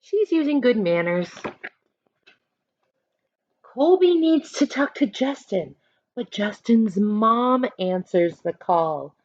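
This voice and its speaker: A woman teacher reading aloud to children, adding chatty instructive asides in an expressive manner. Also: fairly high pitch, slow pace, long pauses, lo-fi sound. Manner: expressive, instructive, acts out short examples.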